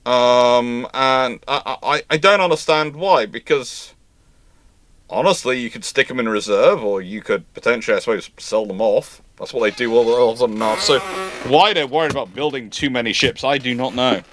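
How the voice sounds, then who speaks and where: A man's voice: mid-range voice, normal speed, a bit bright. A man hosting a live naval history Q&A, explaining at length with many fillers and restarts. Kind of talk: live Q&A chat.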